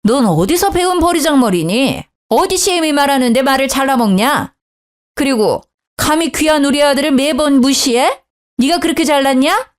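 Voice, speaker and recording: A woman playing a shrill scolding mother-in-law. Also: animated, moderate pace. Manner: shrill scolding, shouting, sighing exclamations. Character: scolding middle-aged mother-in-law, nagging and harsh.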